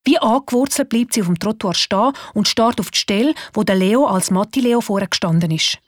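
A woman with a Swiss German accent narrating a children's radio play in a lively, expressive way. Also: medium pitch, fairly quick, dry recording, clean studio sound. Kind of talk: storytelling narration.

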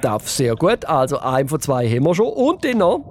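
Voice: medium pitch, sing-song, normal speed, darkish tone, slight background noise. A quiz host with a Swiss German accent, upbeat and encouraging on a children's radio quiz.

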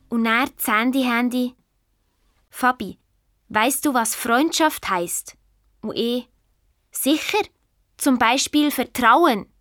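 A woman voicing a headstrong, hot-tempered young girl in an audio drama, narrating in a lively, indignant way with a Swiss German accent. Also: a little high, dry recording, clean studio sound. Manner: lively, indignant, quick to flare up. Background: faint background music.

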